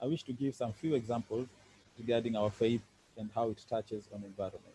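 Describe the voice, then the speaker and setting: A man's medium-pitched, somewhat breathy voice with a dark, mellow tone, fairly quick pace and fairly even intonation, in a dry, close sound with no echo. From Kenya, Mombasa coast. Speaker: environmental advocate. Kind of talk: panel talk.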